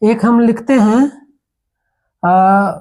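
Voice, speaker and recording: A patient teacher, a man, explains grammar in a classroom manner. He says each example word slowly and repeats it, and he keeps checking that his listeners are with him. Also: high-pitched, steady tone, darkish tone. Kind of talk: classroom lesson.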